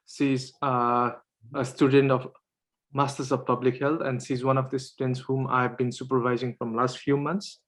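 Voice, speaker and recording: A man's voice: medium pitch, level tone, normal speed, a bit bright. Man moderating a video-call panel. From Nepal. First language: Nepali. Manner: hesitant, many fillers and restarts.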